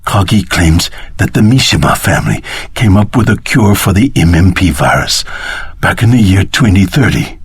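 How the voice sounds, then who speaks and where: An actor voicing a solemn, dying old Japanese swordmaster in a video game, with a husky, breathy rasp and halting delivery. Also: male voice, low-pitched, very animated, dry recording, heavily acted. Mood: grave. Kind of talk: dramatic video game voice acting.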